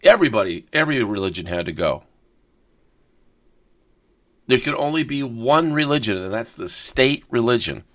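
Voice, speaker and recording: A man's voice: mid-range voice, animated, moderate pace, pauses often, fairly bright tone. A man hosting a talk radio show, delivering an emphatic, insistent monologue. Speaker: radio host.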